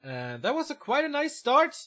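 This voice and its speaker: Bright high-voiced male game caster. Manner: fast, excitable play-by-play that climbs when the action peaks; chatty and relaxed between matches, talks to viewers. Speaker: esports caster. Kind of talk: live video game match commentary.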